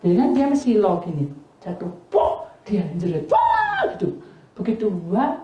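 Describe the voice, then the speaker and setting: A woman's voice: mid-range voice, normal speed. Woman pastor preaching, echoey. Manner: animated storytelling, questions to the congregation. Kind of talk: sermon. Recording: echoey room with faint noise.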